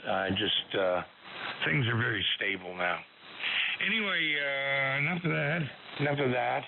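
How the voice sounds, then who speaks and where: Through a hissy, phone-thin radio link comes a creaky man. He chats casually as a ham operator, musing and hesitating, in a gravelly voice. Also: medium pitch, animated, measured pace. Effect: radio transmission. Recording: narrow-band shortwave radio, loud hiss.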